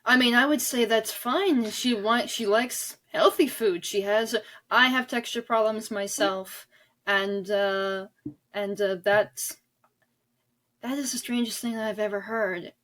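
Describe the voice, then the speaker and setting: Earnest woman explaining in halting bursts. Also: fairly high pitch, fairly bright tone. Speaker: guest author discussing their novels. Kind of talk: conversational interview.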